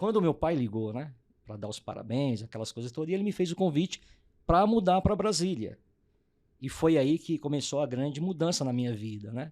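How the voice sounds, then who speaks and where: With a João Pessoa accent, a man talks at a fairly quick pace and a fairly high pitch, his dark, mellow tone moving through very wide pitch swings. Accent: João Pessoa (Northeastern Brazilian). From Brazil, João Pessoa (Northeast). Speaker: pharmaceutical account manager. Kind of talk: podcast interview.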